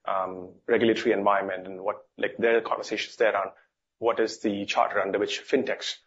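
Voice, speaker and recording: A man's voice: fairly low pitch, level tone, brisk, a bit bright. A man speaking as a company executive on an earnings call, informal in phrasing as he answers questions. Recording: dull, band-limited call audio.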